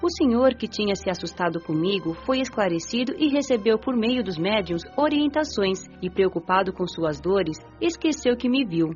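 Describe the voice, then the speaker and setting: A woman's voice: medium pitch, lively intonation, normal speed, few pauses, a little mellow, natural voice. Woman as a reflective young female spirit, dull audio. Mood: earnest, reflective. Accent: Brazilian. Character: nineteen-year-old female spirit recalling her afterlife, earnest and compassionate. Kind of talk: scripted first-person audiobook narration, radio novel. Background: music.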